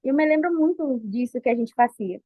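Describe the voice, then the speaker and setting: A woman's voice: high-pitched, lively intonation, a little fast, no room sound. A woman in her twenties from Colombia with a Colombian Spanish accent, speaking Portuguese as a second language and answering interview questions hesitantly, with many restarts. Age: 20s. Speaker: interview guest. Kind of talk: nervous personal interview answers. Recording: dry, phone-like audio.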